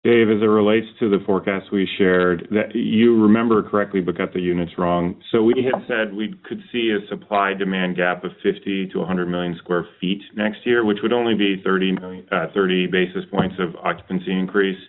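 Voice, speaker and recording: Deep flat exec guy giving forecast answers on conference call, muffled phone sound. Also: a little fast, hardly any pauses. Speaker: company executive answering analysts. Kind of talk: measured earnings call answers. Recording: muffled narrow phone line.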